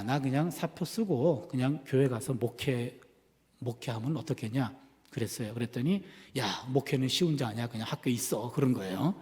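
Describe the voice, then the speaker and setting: A man's voice: high voice, a little mellow. A male pastor preaching a sermon, telling a family story and acting out the dialogue. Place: church sanctuary. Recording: long church reverb.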